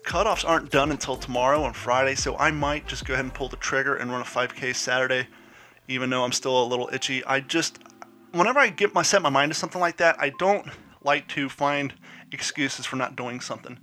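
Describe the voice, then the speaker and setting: A man's voice: mid-range voice, brisk, pushed and bright. A man hosting his own podcast, telling a rambling personal story in a chatty, self-deprecating way while stuffed up with a head cold. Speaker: podcast host. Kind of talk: casual solo podcast monologue. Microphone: podcast mic.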